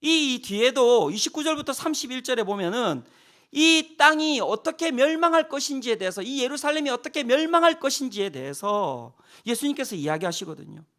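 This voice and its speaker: Impassioned high-voiced Korean pastor. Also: male voice, very animated, a little fast. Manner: dramatic, swings between loud cries and hushed near-whispers; asks the congregation rhetorical questions. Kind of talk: revival sermon.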